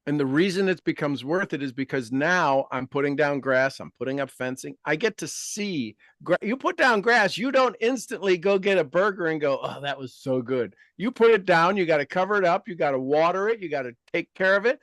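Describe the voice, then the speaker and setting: Man, 50s, motivational podcast host; slightly high, dry, emphatic, repeats himself. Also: expressive, fairly quick, few pauses, fairly bright tone, no room sound. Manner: emphatic, repeats key phrases. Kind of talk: motivational casual talk.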